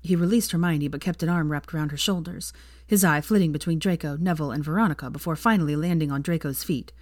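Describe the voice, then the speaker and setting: A woman narrating a fan story aloud in a calm, even reading voice. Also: low voice, fast, dry recording, clean studio sound. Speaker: fanfiction reader.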